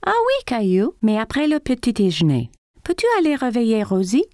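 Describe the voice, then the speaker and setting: A woman voicing a caring, patient young mother in a children's cartoon, speaking in a gentle, reassuring and expressive way. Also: on the high side, moderate pace, dry recording, studio quality. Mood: cheerful.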